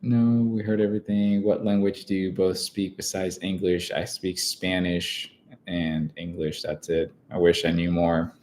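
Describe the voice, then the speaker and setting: A young man co-hosting a casual live chat, relaxed and easygoing, thinking aloud with lots of "I mean". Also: low-pitched, measured pace, a little hiss or hum. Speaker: co-host, partner of the host.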